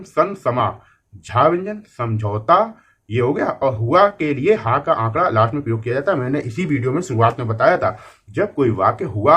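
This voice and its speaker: A man's voice: medium pitch, a bit bright, slightly rough. A man teaching a shorthand class online, explaining each outline step by step and checking in with his students often.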